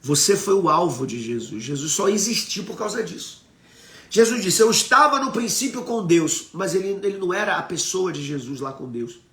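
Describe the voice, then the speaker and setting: A Brazilian man preaching on a live stream, his voice sitting a little high for a man. He teaches with emphasis, keeps asking his viewers questions and answers their comments. The sound is roomy and echoey. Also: lively intonation, moderate pace. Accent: Brazilian Portuguese.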